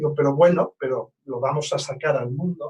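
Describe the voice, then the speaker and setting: A man speaks at a fairly slow pace. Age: 60s. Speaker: astrologer. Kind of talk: casual chat.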